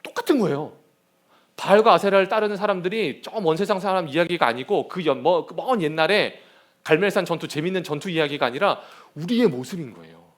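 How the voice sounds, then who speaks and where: A young man preaching a lively sermon to young people, telling stories and acting out the scenes. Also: sits high, a little fast. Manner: animated storytelling, shouts and acts out scenes. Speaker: youth pastor.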